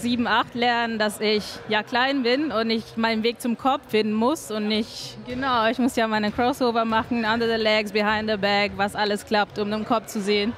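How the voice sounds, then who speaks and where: Soft-spoken Italian-accented young woman. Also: a little high. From Sardinia, Italy. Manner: soft-spoken, halting, often says "genau". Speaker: basketball player, interview guest. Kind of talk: casual interview answers. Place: indoor studio in front of a sponsor wall. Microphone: handheld mic held out by the interviewer.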